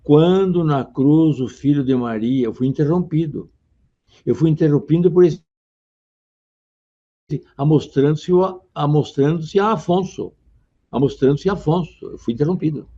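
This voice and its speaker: A man's voice: fairly high pitch, mellow. Older man lecturing, dramatic verse reading. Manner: dramatic, recites verse slowly with emphasis. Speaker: teacher. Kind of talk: lecture on grammar and poetry. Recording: dull lo-fi lecture recording.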